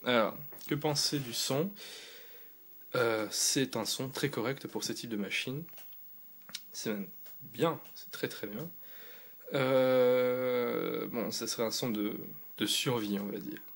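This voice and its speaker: Gravelly-voiced man doing a casual tech review. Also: medium pitch, slow pace. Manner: loose and rambling, with fillers and restarts.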